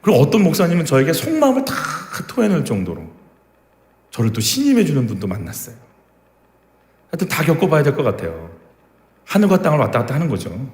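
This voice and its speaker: Male pastor giving a sermon, chatty, asks the crowd stuff, drops his voice low for quotes, roomy hall sound. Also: quick pace, pauses often. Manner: lively, conversational preaching with questions to the congregation; acts out quoted voices with sharp drops in pitch and volume. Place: church sanctuary, echoey. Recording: echoey hall with long reverb.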